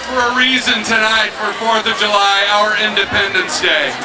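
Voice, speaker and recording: A man's raised, projected voice at a fairly slow pace over clear music in the background. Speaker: event emcee. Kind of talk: announcement to crowd. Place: stage.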